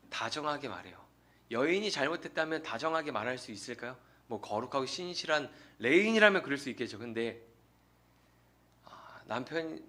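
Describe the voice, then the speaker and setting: A man's voice: mid-range voice, pushed and bright. A male pastor preaching a sermon with earnest rhetorical questions to the congregation. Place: church sanctuary.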